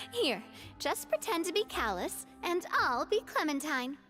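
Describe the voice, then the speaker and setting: Bright, high-voiced cheerful young lady boss. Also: big pitch swings, slow, faint music behind, full character voice. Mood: upbeat, eager. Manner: breezy, playful, self-effacing. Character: cheerful confident young woman, playful town president and boss. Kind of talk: video game voice acting.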